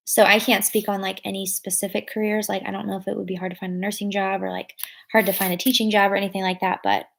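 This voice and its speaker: A young adult woman vlogger answers viewer comments in a casual live chat, talking fast in a mid-range, creaky, slightly bright voice with flat delivery. She rambles with lots of fillers, thinking aloud and correcting herself as she goes.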